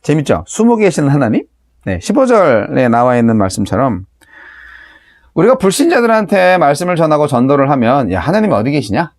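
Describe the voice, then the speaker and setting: A man's voice: on the high side, very animated, a little fast, a little mellow, dry recording, studio quality. A man, a pastor, giving a daily Bible teaching in a conversational preaching style, asking the listeners rhetorical questions.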